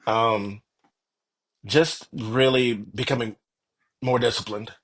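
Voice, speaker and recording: A man's voice: medium pitch, steady tone, slow, fairly bright tone, slight background noise, poor audio. A man speaking casually as an author guest in an interview.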